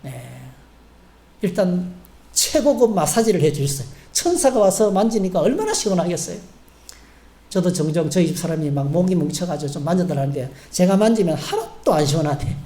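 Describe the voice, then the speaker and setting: A man's voice: on the high side, dark tone. A middle-aged male pastor giving a sermon in a church, telling the story in a chatty way and acting out the quotes. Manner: conversational storytelling preaching with fillers and acted-out quotes. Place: church sanctuary. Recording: echoey church hall.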